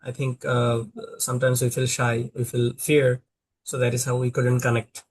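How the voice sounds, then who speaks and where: A man's voice: mid-range voice, completely flat delivery, moderate pace, darkish tone, husky. Bangladeshi man asking questions in practice chat. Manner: questioning, filler-heavy, restarts. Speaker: conversation partner, small YouTuber. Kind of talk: casual practice conversation.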